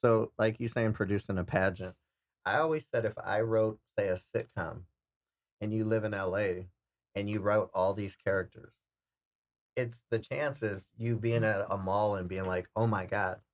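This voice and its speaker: Casting: male podcast co-host, low voice, rambling stories. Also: moderate pace. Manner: rambling storyteller, repeats himself. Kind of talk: casual podcast chat.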